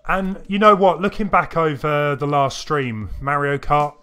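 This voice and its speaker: A man's voice: on the high side, a little slow, bright, forceful tone, clean tone. A man live-streaming a video game, chatting casually and a little ramblingly with his viewers. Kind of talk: casual livestream chat to viewers. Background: music playing behind the voice.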